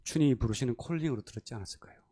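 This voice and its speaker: A man's voice: mid-range voice, rapid-fire. A male pastor preaching a sermon in a church, telling stories and acting out the voices of people in them. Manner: animated, acts out quoted voices, laughs often. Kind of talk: sermon with storytelling. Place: church sanctuary.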